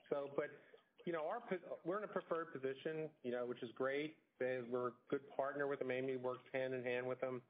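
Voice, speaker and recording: A man speaking as a company executive on a phone conference call, answering in an informal, folksy way. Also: medium pitch. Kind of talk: earnings call answers, business talk. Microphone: telephone conference call. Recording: tinny phone line.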